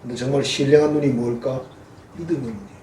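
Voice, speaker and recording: A pastor with a Gyeongsang Korean accent preaches a folksy, humorous sermon in a church sanctuary, acting out the voices he quotes. His medium-pitched voice is steady, fast, and a little mellow, picked up by a distant mic in an echoey hall with a little hiss or hum.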